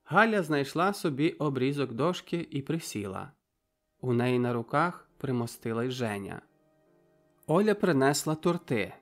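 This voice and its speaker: A man narrating a literary audiobook in steady, even storytelling. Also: mid-range voice, a little slow, soft background music.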